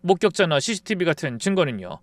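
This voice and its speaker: A man voicing a polite, measured male lawyer giving advice. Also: fairly high pitch, big pitch swings, no echo, voice pushed up. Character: calm, formal male lawyer.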